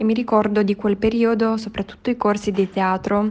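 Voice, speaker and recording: A woman with a dark, mellow tone speaks at medium pitch and a moderate pace in a flat monotone. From Romania. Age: 20s. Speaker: university student. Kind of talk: personal testimony.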